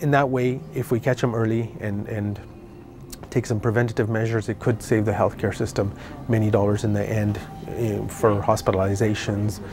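Low-voiced middle-aged man, halting explanations. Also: flat delivery, background noise. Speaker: respiratory educator. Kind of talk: interview explanation. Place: indoor clinic or pharmacy. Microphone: lapel.

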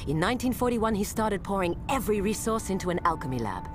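An actress playing a driven, secretive history professor in a motion comic, with an intense, measured delivery. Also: female voice, mid-range voice, big pitch swings, lightly acted. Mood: intent explaining. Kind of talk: dramatic motion-comic acting. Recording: dramatic music under the voice.

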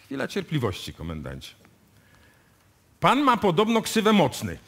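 Shrewd, animated police inspector. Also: male voice, fairly high pitch, creaky, full character voice. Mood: sly, assured. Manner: deliberate, explanatory, authoritative. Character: shrewd, self-assured male police inspector unravelling a case. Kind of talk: live radio play acting.

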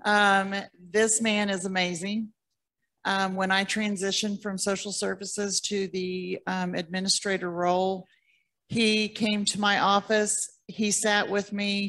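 Woman, flat intonation, sincere, panel answer. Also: medium pitch, takes it slowly. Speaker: administrator.

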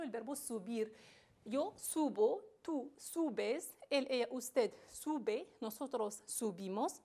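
A woman teaching a recorded grammar lesson, speaking slowly and deliberately with frequent hesitations. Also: on the high side, a little mellow. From Morocco. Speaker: Spanish teacher.

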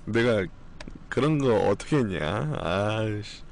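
Strained-voiced male streamer bantering lively. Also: lowish voice, slow pace, music in the background. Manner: rambling banter with viewers, blunt and swearing. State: strained, recovering voice. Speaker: live streamer. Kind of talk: casual live-stream chat.

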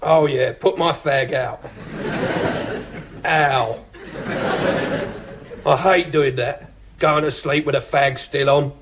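A drowsy old man near death, his words dragging very slowly. His voice sits a little high and tired. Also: fairly even intonation, noisy background. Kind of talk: 1990s TV sitcom acting.

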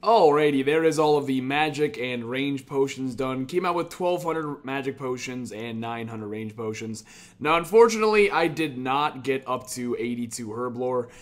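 A man's voice: mid-range voice, moderate pace. A man giving casual, chatty commentary over his own gameplay, upbeat and prone to casual swearing. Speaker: gaming YouTuber.

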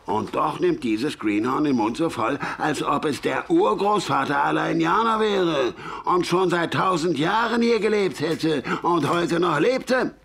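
An actor playing a gruff, stubborn, solitary old gunsmith in a radio play, speaking in curt, grumbling sentences. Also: male voice, a little high, lively intonation, a little slow, fairly bright tone, exaggerated voice. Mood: grumpy, dismissive. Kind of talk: German radio play acting.

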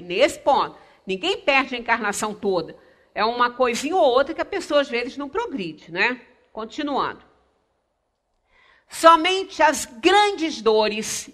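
A woman's voice: high voice, pushed and bright. A middle-aged woman from Brazil giving a spiritist lecture in a small meeting room, gesturing broadly and speaking conversationally. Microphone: far camera, standing speaker.

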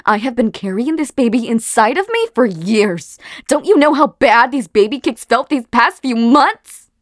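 Woman playing high-voiced, commanding demon queen. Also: lively intonation, normal speed, no room sound, clean studio sound, close to an everyday voice. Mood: stern fury. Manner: forceful, demanding, dramatic. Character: fierce, commanding demon queen wife, exasperated. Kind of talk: animated comic dub.

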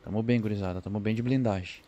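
A man's voice: fairly low pitch, fairly even intonation, fast, mellow, highs cut off. A man commenting on his gameplay, nervous and talking to himself. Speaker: gameplay streamer. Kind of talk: let's play commentary.

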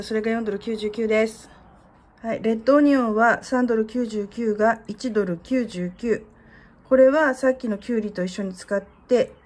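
A woman's voice: a little high, darkish tone. A middle-aged woman vlogger narrating casually in a matter-of-fact, conversational way, as in a shopping haul.

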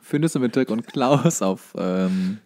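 A man's voice: fairly low pitch, expressive, takes it slowly, a little mellow. Man hosting a podcast, casual and joking. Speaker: podcast host.

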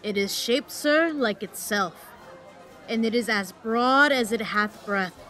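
A woman playing a wry, teasing Roman reveler in a Shakespearean audio drama, spinning tales in a measured, tongue-in-cheek way. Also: on the high side, sharp tone, soft background music. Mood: dryly teasing.

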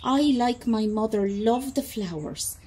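A woman's voice: fairly high pitch, mellow, slight background noise, lightly acted. An actress playing a wistful Irish emigrant woman, telling her memories in a reflective radio drama monologue with an Irish accent. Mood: fond. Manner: reflective, unhurried storytelling. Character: wistful Irish emigrant woman recalling leaving home at seventeen.

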